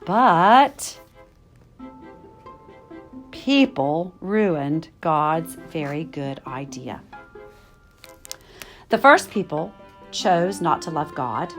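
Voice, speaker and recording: A middle-aged woman reads a children's picture book aloud. Her delivery is animated and expressive, with emphatic phrasing meant for young listeners, over faint music. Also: on the low side. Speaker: storytime reader.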